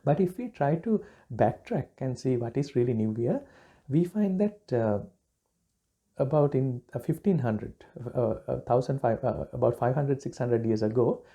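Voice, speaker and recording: Soft-spoken Sri monk, halting talk. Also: male voice, mid-range voice, lively intonation, lo-fi sound. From Sri Lanka. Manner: halting, many fillers and restarts. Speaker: Buddhist monk giving a talk. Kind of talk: relaxed dharma talk.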